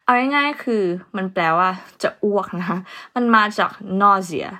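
Speaking at medium pitch, this young English teacher sounds animated, pushed and bright, yet she takes her time. She leads a relaxed vocabulary lesson, chatting freely and spelling out each word one letter at a time.

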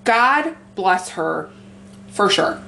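A woman with a raspy voice co-hosting a casual podcast, swearing freely and rambling with lots of fillers. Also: medium pitch, big pitch swings, very slow, sharp tone. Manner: profane, rambling, filler-heavy. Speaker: podcast co-host. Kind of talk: casual chat.

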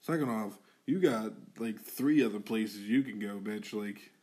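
A young man with a fairly low voice, chatting loosely on a podcast. He swears constantly, jokes around and laughs often. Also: measured pace, a little mellow. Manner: profane, joking, laughs often. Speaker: podcast co-host. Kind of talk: casual chat.

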